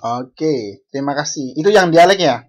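This Bali-based university lecturer teaches a language class online through a video call, speaking in an expressive mid-range voice. Taking their time, they put questions to the students and fix their own slips as they go.

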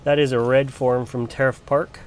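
In a casual handheld walk-through of an indoor grow area under bright lights, an off-camera man shows his plant collection while getting over a cold. His mid-range voice is level and clean at a moderate pace, though his talk is chatty and unpolished, with many ums and restarts.

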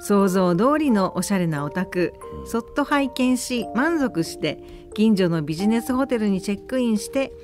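A woman's voice: medium pitch, animated, moderate pace, few pauses. Woman presenter reading over music. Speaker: radio presenter reading out a listener's letter. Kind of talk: conversational reading of a listener letter on a radio show. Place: radio studio.

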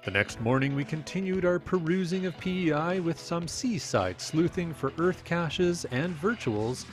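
A man's voice: fairly high pitch, animated, moderate pace, soft background music. A man in his forties hosting a geocaching travel vlog, talking in an upbeat, playful tour-guide way. He films himself outdoors with a camera held at arm's length. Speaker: geocaching vlogger host. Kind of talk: travel vlog with voice-over narration. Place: outdoors at seaside and trails. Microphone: handheld camera at arm's length.

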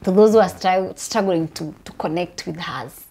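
A woman's voice: on the low side, moderate pace, warm tone. A young woman from Kenya hosting an interview, asking questions and pressing for plain explanations in a small office, recorded by a camera across the desk. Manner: inquisitive, asks for plain explanations. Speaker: host. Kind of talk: interviewing a guest.

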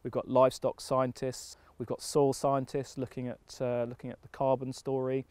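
A man speaking outdoors on a farm in a relaxed, conversational way, restarting phrases as he goes. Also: medium pitch, normal speed, clear, resonant tone, no echo. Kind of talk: on-camera interview. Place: outdoors leaning on a farm fence. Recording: faint music underneath.

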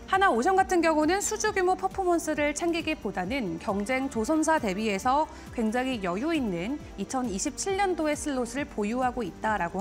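Young female financial news anchor: high, animated voice, formal studio delivery over a music bed. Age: young adult. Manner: polished, formal presenter delivery. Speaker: TV stock market news presenter. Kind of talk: broadcast financial report presentation. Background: background music.

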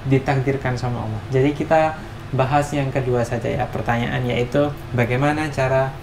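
Speaking from a small, echoey home kitchen with noticeable background noise, a young adult vlog host asks questions in a casual chat. His mid-range voice is creaky, with fairly even intonation and a moderate pace.

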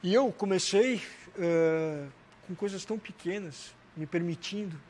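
A man's voice: sits high, measured pace, a little mellow, a little hiss or hum. A man in his forties with a southern Brazilian accent from Santa Catarina, telling his personal story conversationally as a guest in a TV interview. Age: 40s. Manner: conversational, frequent "né" and "cara" tags. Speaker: interview guest, motivational speaker. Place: TV studio, indoors. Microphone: lapel mic.

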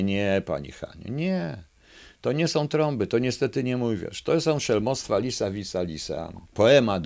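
A man's voice: fairly low pitch, a little mellow. A man casually reading a children's poem aloud and commenting, with frequent fillers and questions to his viewers. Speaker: channel host reading a poem.

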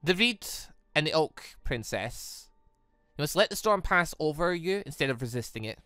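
A man voicing a sly, calculating young villainess in a deliberate, condescending way. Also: on the high side, animated, sharp tone, smooth, no echo, clean studio sound, faint music behind. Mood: smug, calculating.

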